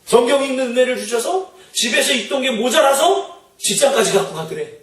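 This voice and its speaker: A man's voice: very high voice, lively intonation, fairly quick, fairly bright tone. A man preaching a sermon as pastor, telling a story, acting out the people in it and putting questions to the congregation. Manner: storytelling, acts out quoted voices, asks the congregation questions. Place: church sanctuary. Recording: roomy church hall, mic at a distance.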